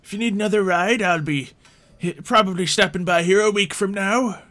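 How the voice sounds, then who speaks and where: A man's voice: sits high, brisk, fairly bright tone, voice pushed up. A man voicing a chatty, awkward ferryman in a tabletop roleplay game, talking in a rambling, casual way. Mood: cheery, chatty. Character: chatty, awkward ferryman bidding travellers farewell.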